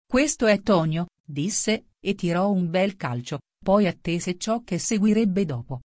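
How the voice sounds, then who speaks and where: A woman's voice: on the low side, lively intonation, a little slow, dark tone, no room sound, clean studio sound. A woman narrating a storybook as an audiobook reader, sometimes reading punctuation marks aloud. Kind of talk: scripted narration.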